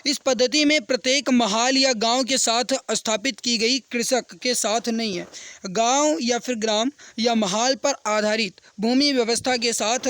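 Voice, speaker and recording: A man's voice: extremely high pitch, a bit bright, dry recording. A man teaching an online exam-prep lesson, addressing students directly, repeating key points and adding frequent check-in tags.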